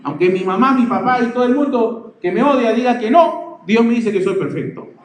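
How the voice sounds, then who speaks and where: A man's voice: extremely high pitch, lively intonation, brisk. A man with a Peruvian accent preaching a sermon, stressing his points and often asking whether the listeners see. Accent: Peruvian Spanish. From Peru. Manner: emphatic preaching, repeating words and asking ¿ve?. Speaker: pastor. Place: church hall. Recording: echoey church hall, faint ambience.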